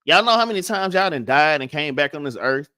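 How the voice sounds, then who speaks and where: Casual Southern preacher, dry close mic. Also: male voice, fairly high pitch, animated, fairly quick, bright, forceful tone, smooth, no echo. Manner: casual, says "man" and "all right?" constantly; stutters and restarts. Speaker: bible class teacher. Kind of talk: casual scripture lesson.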